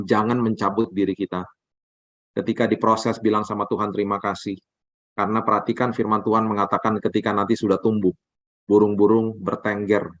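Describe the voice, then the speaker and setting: Man preaching a lively sermon. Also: lowish voice, no echo. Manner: animated storytelling, acts out dialogue. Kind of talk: sermon with personal story. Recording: dry, dull lo-fi sound.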